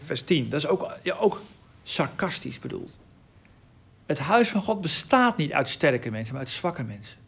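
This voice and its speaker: A man's voice: on the high side, big pitch swings, normal speed, a bit bright, breathy edge. A man giving informal Bible teaching in Dutch, reading scripture aloud and explaining it with emphasis.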